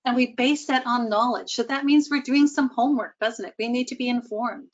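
A woman's voice: fairly high pitch, fairly quick, highs cut off. A woman giving a talk on public speaking to a group, engaging and often putting questions to her listeners. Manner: engaging, asks the audience questions. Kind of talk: presentation to a group.

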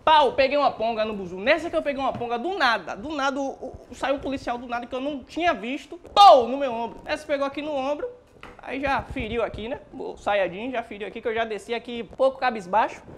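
A Bahian comedian tells a story at a rapid clip and acts out each scene with sound effects. His voice sits high for a man, and a faint noise runs behind him. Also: a bit bright. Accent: Bahian Portuguese. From Salvador, Brazil. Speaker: stand-up comedian. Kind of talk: comic storytelling.

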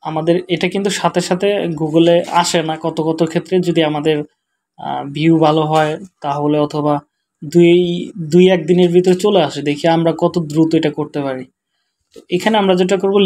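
A tired man with a Bangladeshi accent, speaking quietly and slowly as he walks through a screen-share tutorial. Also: fairly high pitch, steady tone, a little hiss or hum. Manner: quiet, slow, tired-sounding talk. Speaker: web developer teaching SEO.

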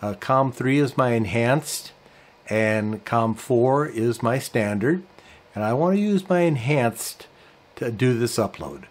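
Male, 60s, mid-range voice, very slow measured pace, talking viewers through a tutorial. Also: mid-range voice, expressive, a little hiss or hum. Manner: measured, step-by-step explaining. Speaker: host of a ham radio channel. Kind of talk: software tutorial and review talk to camera. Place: small indoor home radio workshop.

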